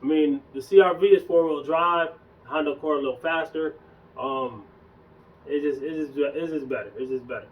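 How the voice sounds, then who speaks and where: Young guy chatting loose and slangy, kinda hoarse, sounds a bit far off and muffled. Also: on the high side, normal speed, a little hiss or hum. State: losing his voice. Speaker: fitness YouTuber. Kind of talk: casual vlog chat.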